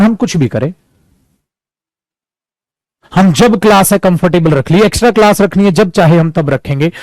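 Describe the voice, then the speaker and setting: This man's voice is a little high with a darkish tone and no echo. He teaches an online English lesson in a chatty way, calling his students "beta" and acting out examples.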